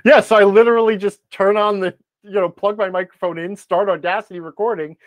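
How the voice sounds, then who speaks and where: A man with a slightly high voice speaks in a casual, conversational way, as a guest being interviewed. He rambles, acts out his own remarks and jokes at his own expense. The sound is dry, with hardly any room in it. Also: a little fast, no room sound. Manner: rambling, animated self-quoting, self-deprecating joking. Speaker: podcast guest, game advice blogger.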